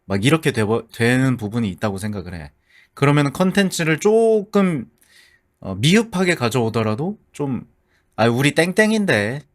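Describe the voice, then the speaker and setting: Man livestreamer with very animated intonation. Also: medium pitch. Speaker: livestreamer, VTuber. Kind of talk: casual livestream chat with viewers.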